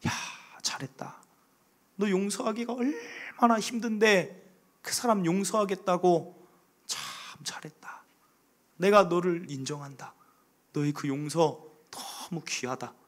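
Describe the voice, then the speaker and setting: A man voicing God in a soft near-whisper, in a whispered role-play, giving tender, short words of praise. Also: sits high, measured pace. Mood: gentle praise. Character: gentle, approving voice of God, male.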